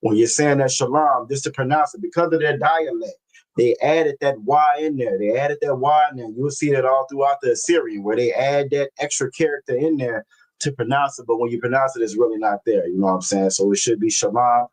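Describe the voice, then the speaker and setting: A man teaching a religious language class over a video call, reading scripture slowly and often repeating himself. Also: medium pitch, low-quality recording. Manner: repeats phrases, constant "you know what I'm saying"; slow, deliberate scripture reading.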